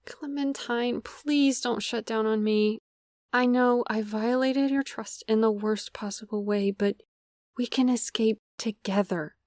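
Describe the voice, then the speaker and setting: High-voiced, earnest, remorseful woman, acted. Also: fairly even intonation, a little slow, darkish tone, dry recording, clean studio sound, lightly acted. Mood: pleading. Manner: earnest, formal wording. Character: remorseful, devoted young woman pleading for forgiveness. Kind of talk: audio drama acting.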